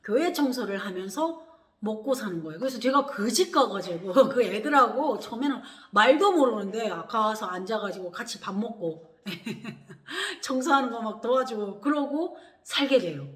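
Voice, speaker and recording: A woman from Korea, telling her personal story in a lively way, acting out what others said. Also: fairly high pitch, moderate pace. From North Korea. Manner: animated, acts out quoted voices with gasps and laughs. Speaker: vlogger. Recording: echoey room.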